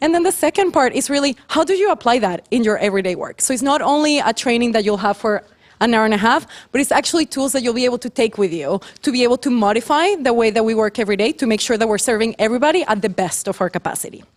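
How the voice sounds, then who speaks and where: A woman speaks very fast at a fairly high pitch with lively intonation and very even loudness, the sound dry and close with no echo on a very clean recording over a silent background. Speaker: trainer from an advocacy group. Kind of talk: workplace training presentation. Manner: talks fast when excited; casual, uses fillers like 'um' and 'like'.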